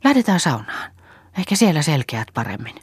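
An anxious farmwife , voiced by a woman reader, coaxes and soothes in a hushed, half-whispered voice. The reading is close and dry, with no room sound. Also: low-pitched, very animated, slightly rough, no room sound, pitched above the performer's own voice, heavily acted. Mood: coaxing worry. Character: anxious farmhouse woman, coaxing and fussing.

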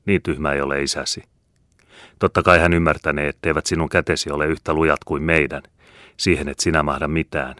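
A man reading the part of a kindly little old foreman in an audiobook who gently coaxes and scolds like a father. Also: a bass voice, flat delivery, no echo, studio quality. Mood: stubborn, soothing.

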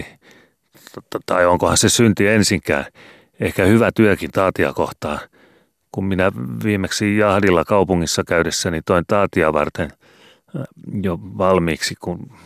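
A man's voice: low voice, no echo, studio quality, pitched above the performer's own voice. A man voicing a hesitant, scheming grown son who stammers and hedges, in an audiobook reading. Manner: stammering, hedging, wheedling. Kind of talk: audiobook character voice.

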